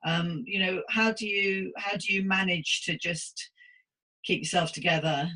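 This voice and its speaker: A woman hosting a podcast as a psychotherapist, interviewing in an effusive, gently encouraging, conversational way. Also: lowish voice, fairly even intonation, a little slow, rough recording.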